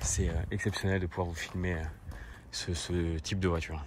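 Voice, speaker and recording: A man's voice, dark and mellow in tone, moves at a moderate pace. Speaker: car-spotting vlogger. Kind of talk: vlog walkthrough commentary. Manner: whispering; hesitant, many fillers.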